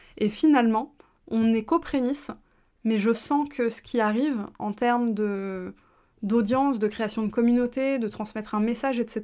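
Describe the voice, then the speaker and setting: In a normal speaking voice, a woman talks at a fairly slow pace with fairly high pitch and fairly even intonation, on a very clean recording with a silent background. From France. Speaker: business coach and podcast host. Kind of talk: casual solo podcast monologue. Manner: spontaneous, with laughter.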